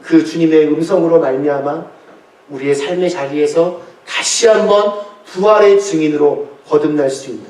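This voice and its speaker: A man pastor preaching a sermon in earnest, emphatic, drawn-out phrases. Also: a little high, a little mellow. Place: church sanctuary. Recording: echoey church, voice from far off.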